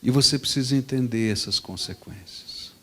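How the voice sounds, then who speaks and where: A man voicing a calm, stern father who speaks low, slow and firm. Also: a little hiss or hum, natural voice.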